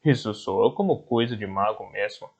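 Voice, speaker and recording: A man's voice: on the low side, moderate pace, a little mellow, breathy edge. A man voicing a scornful, dry older doctor in an audiobook.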